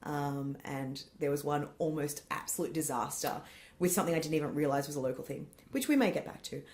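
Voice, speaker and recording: A woman's voice: deep voice, brisk, darkish tone. An Australian woman in her thirties, a comedian chatting as a podcast guest, rambling with lots of laughter. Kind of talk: casual interview chat.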